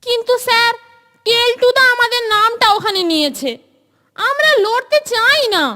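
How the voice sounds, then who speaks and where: A woman voicing a small, reluctant, timid schoolboy in a children's cartoon, speaking in a plaintive, expressive way. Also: very high voice, normal speed, exaggerated voice. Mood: pleading. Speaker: cartoon voice actor. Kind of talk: Bengali children's cartoon dialogue.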